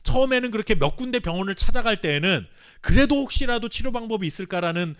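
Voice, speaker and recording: Earnest man preaching, high lively voice. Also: clean tone. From South Korea. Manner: earnest, emphatic preaching with dramatic pauses; reads scripture aloud slowly with the congregation. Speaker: pastor. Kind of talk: sermon.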